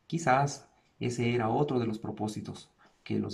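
Against a quiet background, a somewhat breathy man speaks at medium pitch with ordinary pitch variation. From Ecuador, Quito area (Valle de los Chillos); Ecuador. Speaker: orchestra conductor and lecturer; lecturer. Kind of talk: lecture. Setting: recorded online conference video. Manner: formal. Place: home room. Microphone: webcam.

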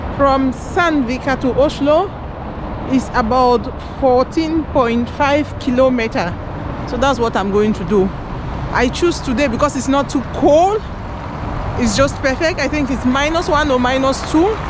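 There is noticeable background noise and a dry sound with no echo. A woman with a high pitch and ordinary pitch variation speaks at a fairly slow pace, with long, frequent pauses. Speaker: vlogger. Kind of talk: casual vlog chat. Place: street. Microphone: phone near.

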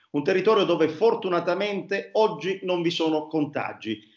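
Over a quiet background, a man talks with ordinary pitch variation, and audible room echo surrounds his voice. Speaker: interview host. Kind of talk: news program introduction. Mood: formal, concerned. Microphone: video call.

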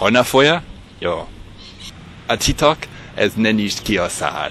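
A man in an upbeat tone speaks at a very slow pace, the sound dry with no echo and light background noise. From Australia. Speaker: language learner teaching Australian slang. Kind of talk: casual talk to camera. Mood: cheerful, joking. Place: open country. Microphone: camera far.

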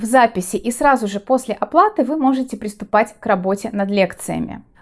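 Against a quiet background, the speech runs at a moderate pace with ordinary pitch variation. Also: woman. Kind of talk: promotional announcement to camera. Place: home room. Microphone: lapel.

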